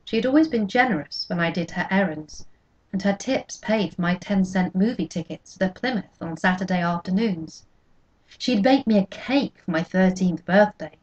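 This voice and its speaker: A woman reading a novel aloud in first person, with measured, quietly expressive narration, in a dull lo-fi recording. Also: mid-range voice. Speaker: audiobook reader.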